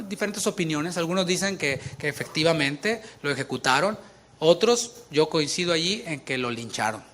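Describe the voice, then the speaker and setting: Pastor, sermon delivery, fairly high voice, emphatic with chatty asides. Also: male voice, sharp tone. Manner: emphatic preaching with casual conversational asides.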